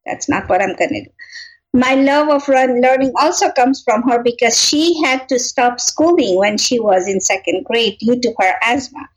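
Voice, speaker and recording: A middle-aged woman from Kenya talks about her life as an interview guest. Her voice sits high, and she tells her story in a reflective way. She laughs now and then and fills her talk with "you know". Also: lively intonation, moderate pace, low-quality recording.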